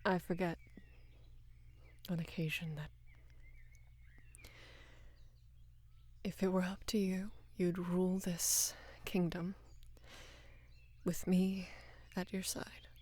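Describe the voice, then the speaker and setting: A young woman playing a devoted, lovestruck female knight in an intimate roleplay audio, speaking in a hushed, breathy, halting and earnest way. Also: on the low side, level tone. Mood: fond. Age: young adult. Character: devoted female knight, tender, anxious, in love with queen. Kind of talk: intimate roleplay audio, soft acted monologue.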